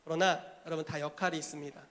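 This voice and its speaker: A male pastor preaches a lively sermon with a high, bright voice. He talks in an animated way and moves between teaching and acted-out scenes. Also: fast.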